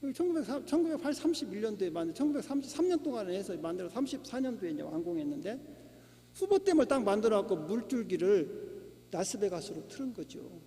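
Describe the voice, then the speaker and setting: A middle-aged man preaching a sermon as a pastor, emphatic, with rhetorical questions and shouts of hallelujah. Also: sits high, big pitch swings, fast. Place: church sanctuary. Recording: long church hall reverb.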